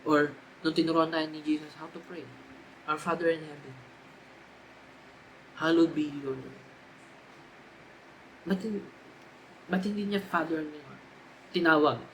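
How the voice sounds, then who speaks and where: A young man with a Filipino accent delivers a youth sermon, sliding between Tagalog and English. His voice sits high and he leans into emphatic, repeated phrases. A faint hum of room ambience stays underneath. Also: steady tone, unhurried, pauses often, a bit bright, poor audio. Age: young adult. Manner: Taglish preaching, rising to emphatic repeated cries. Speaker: youth speaker.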